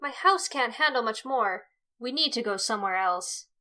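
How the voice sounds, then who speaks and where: A woman's voice: fairly high pitch, lively intonation, normal speed, bright, forceful tone. A woman playing an exasperated young homeowner in an audio drama. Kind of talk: audio drama character acting.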